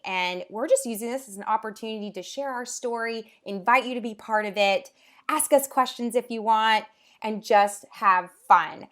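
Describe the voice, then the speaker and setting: Woman, podcast host, upbeat, enthusiastic, casual chat. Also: mid-range voice.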